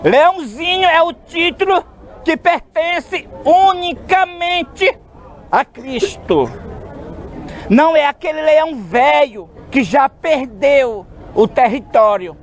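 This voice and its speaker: Brazilian guy preaching on the street, really high voice, slow and emphatic, faint crowd around. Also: slight background noise. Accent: Brazilian Portuguese. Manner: slow, emphatic delivery with sudden shouted stresses. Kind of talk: preaching sermon.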